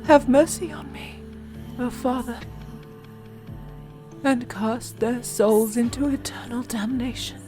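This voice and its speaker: A woman's voice: fairly high pitch, fairly even intonation, slow, long pauses. A woman playing a pious, vengeful supplicant in an audio drama, praying in a solemn, incantatory way. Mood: pleading, vengeful. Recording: loud music under the voice.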